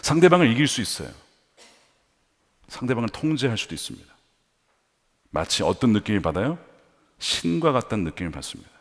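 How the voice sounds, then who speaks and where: A man preaching a sermon as pastor, building to emphatic peaks and then dropping to quiet asides. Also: medium pitch, very animated, brisk, pauses often. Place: large church sanctuary. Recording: long hall reverb from a church sanctuary.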